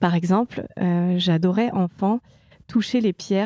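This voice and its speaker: A woman with a dark, mellow tone speaks at a moderate pace with ordinary pitch variation. The recording is very clean with a silent background, dry and close with no echo. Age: 40s. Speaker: hypnotherapist. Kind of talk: casual interview chat. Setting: at home on a sofa.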